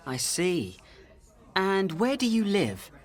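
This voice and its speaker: A man voicing an adult man who asks slow, clear questions with a falling tone at the end. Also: high-pitched, wildly swooping pitch, voice pushed up, exaggerated voice. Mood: friendly. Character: adult man named Jake, friendly questioner.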